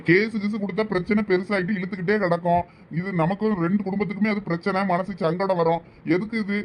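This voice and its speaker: A man with a Thoothukudi Tamil accent voicing a firm middle-aged husband and father who calmly mediates in a cartoon family drama. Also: high voice, fast talker, slight background noise, close to an everyday voice. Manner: firm, calming authority.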